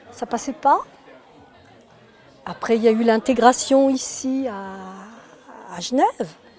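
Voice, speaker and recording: A woman with a high voice speaks very slowly, with long, frequent pauses, big swings in loudness and ordinary pitch variation over noticeable background noise. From Algeria (pied-noir). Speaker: workshop participant. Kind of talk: testimony. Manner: halting.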